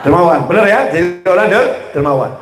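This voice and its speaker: A man preaches with a high, lifted voice, pushing the congregation to answer him back. The sound is roomy and echoing, as in a large hall. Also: fast talker, soft background music. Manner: animated, call-and-response with the congregation. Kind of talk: sermon. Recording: roomy echo.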